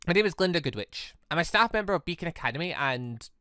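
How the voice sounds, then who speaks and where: Man acting a stern female instructor, formal, curt, visual novel character, forceful tone, dry sound. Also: fairly high pitch, expressive, quick pace, clear, resonant tone, no echo. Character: stern, clipped adult woman, academy huntress instructor.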